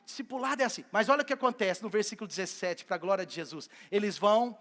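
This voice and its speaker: High-voiced, animated male preacher. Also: fast. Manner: animated storytelling that acts out biblical scenes. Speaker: pastor. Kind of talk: sermon. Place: church service.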